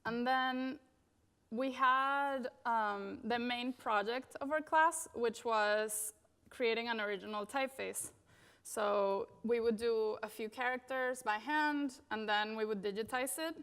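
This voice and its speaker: A woman's voice: on the high side, slow, fairly bright tone, smooth. Chatty woman designer giving a talk. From Venezuela. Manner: casual, many fillers, frequent "you know" and "like". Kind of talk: conference talk.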